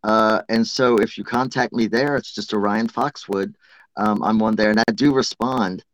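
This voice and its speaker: A man's voice: fairly low pitch, steady tone, moderate pace, poor audio. A man from Appalachia, a guest teacher, earnestly explaining witchcraft rituals in casual conversation. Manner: earnest, chants and sings ritual verses.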